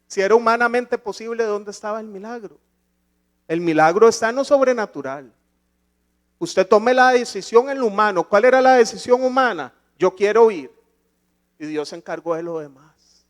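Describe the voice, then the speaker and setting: A man's voice: high voice, animated, moderate pace. A man pastor preaching a sermon in a church, asking rhetorical questions and rising to emphatic points.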